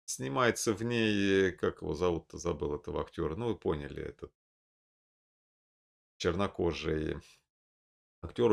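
A man's voice: on the low side, gravelly. A man in his thirties recommending films to camera in a casual, rambling way, with lots of fillers and restarts, seated indoors and filmed on a webcam. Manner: rambling, with many fillers and self-corrections. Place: indoor room, seated at a desk.

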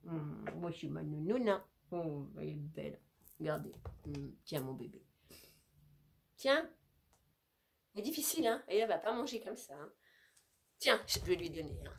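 A woman in her fifties chatting casually to camera about her groceries, a little stuffy with a cold, cooing to her cat now and then. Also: fairly low pitch. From France. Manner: chatty and playful, coos and baby talk to her cat. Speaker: vlogger. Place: bedroom with leafy wallpaper, indoors. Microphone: camera in front at close range.

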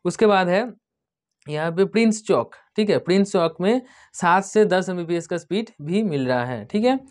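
An Indian man with a high, expressive voice hosts a tech channel at a normal pace. He casually works through viewer comments, spells place names out letter by letter, and keeps saying "okay."

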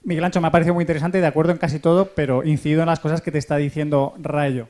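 A man makes an argued comment from a conference audience. He talks fast, in a slightly high voice. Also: steady tone, a little mellow.

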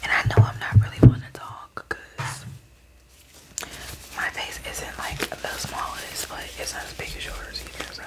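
A woman in her twenties whispering breathily in an ASMR personal attention roleplay, often softly repeating words. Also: measured pace. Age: 20s. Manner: soft repetition of words. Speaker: ASMR roleplay host as facial therapist. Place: small indoor room.

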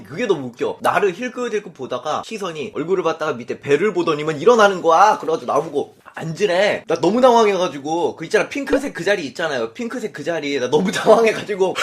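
A transgender woman telling a funny personal story in a casual vlog, animated, laughing often and acting out other people's lines. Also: fairly low pitch. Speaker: vlogger.

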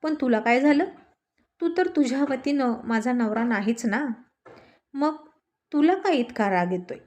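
A woman's voice: high voice, expressive, a little slow, a little mellow. A woman voicing a playful young wife who coaxes and teases her husband. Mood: challenging. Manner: coaxing, teasing.

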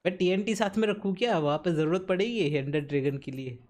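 A man's voice: high-pitched, a little fast, a little mellow. A man hosting a gaming channel, chatting casually while playing with friends, playful and teasing, laughing often. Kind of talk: casual gameplay chat with a friend.

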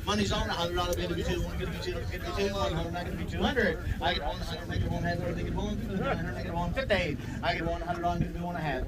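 Male auctioneer, high voice, rapid repetitive bid chant, recorded at a distance outdoors. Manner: repetitive singsong bid calling. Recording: distant outdoor sound, loud crowd noise. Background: loud crowd.

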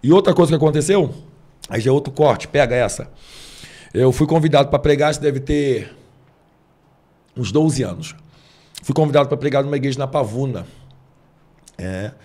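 A man, a preacher earnestly telling a personal testimony on a podcast, going soft and low when moved.

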